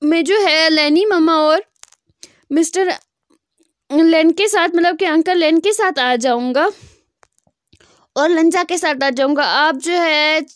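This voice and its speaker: A woman's voice: very high-pitched, slow, pauses often, dry recording, clean studio sound. A woman voicing a clingy, impatient teenage boy in her own narrating voice, with a whiny, pleading tone.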